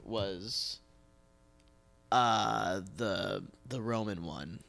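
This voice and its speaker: A man's voice: fairly low pitch, animated, drawn-out words, creaky, a bit bright, faint music behind. An American man hosting a casual interview, telling stories in an emphatic way. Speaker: podcast host, theatre director.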